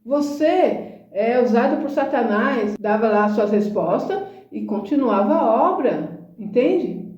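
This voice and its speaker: A woman preaches in a conversational sermon, earnest and emphatic, with frequent rhetorical questions. Her voice sits a little high but sounds mellow and soft-edged. The recording is roomy and slightly dull. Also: lively intonation, measured pace. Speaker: Christian speaker.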